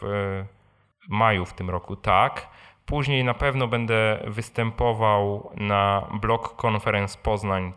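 A man's voice: lowish voice, fairly bright tone. A man hosting a live question and answer talk, speaking informally, repeating words and often adding short tag questions. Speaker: host answering audience questions. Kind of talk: live Q&A talk on personal finance. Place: live event before an audience.

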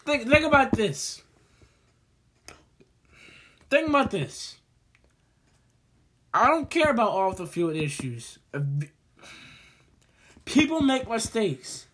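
A man's voice: very high voice, big pitch swings, takes it slowly, long pauses, fairly bright tone. A man arguing in a heated sports debate, stammering and repeating himself, saying he is losing his voice.

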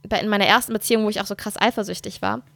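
A woman's voice: mid-range voice, steady tone, rapid-fire, creaky, a bit bright, dry recording. A woman in her thirties chatting casually as a podcast co-host, telling stories candidly and animatedly. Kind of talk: casual chat.

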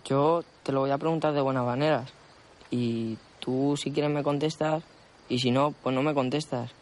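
A man's voice: mid-range voice, steady tone, normal speed, close to an everyday voice. An actor playing a crude, nosy and prejudiced young man at a summer camp, talking in a blunt, needling way in film dialogue. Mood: bickering.

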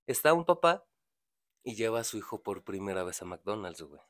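A young Mexican man tells a long story in loose, profane podcast chat. His voice is bright and a little tense, and it sits dry and close to the mic. He swears freely and acts out each character. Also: on the low side, sing-song, fairly quick, no room sound. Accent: Mexican Spanish.

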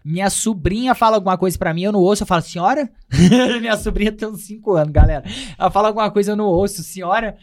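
A male podcast host in casual chat, telling stories with laughter and swearing, acting out people's shouts. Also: high-pitched, very fast. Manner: animated storyteller, swears freely, laughs often; acts out people's shouts in a raised voice.

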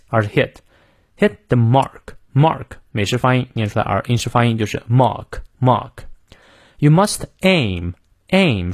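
Male teacher-host, mid pitch, patient and clear, models pronunciation, dry booth. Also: no room sound. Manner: explains clearly, models words slowly and repeats them. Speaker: English teacher and podcast host. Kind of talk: daily English pronunciation lesson.

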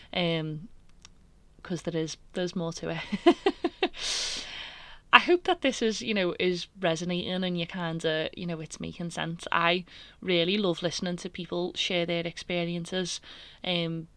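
A woman's voice: fairly low pitch, fairly bright tone, dry recording. A woman hosting a podcast, telling her own story in a candid, emotional, rambling way with many fillers. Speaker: podcast host.

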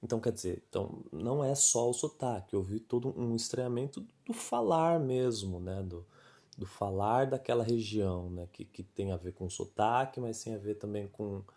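A man's voice: fairly low pitch, moderate pace, mellow. A man with a Brazilian Portuguese accent, a language teacher and podcast host, going over a quiz in a casual, patient lesson and often tagging his sentences with little check-in words. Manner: chatty and patient, leans on filler tags like "né" and "tá".

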